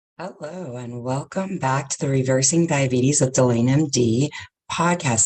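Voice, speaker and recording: At a moderate pace, a man with a fairly high, somewhat breathy voice speaks with ordinary pitch variation. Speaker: physician podcast host. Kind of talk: solo podcast talk. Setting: live stream.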